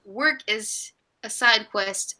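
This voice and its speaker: A woman in her twenties hosts a casual live stream, rambling, giggling and poking fun at herself. She speaks slowly in a fairly high voice, and the audio is very noisy.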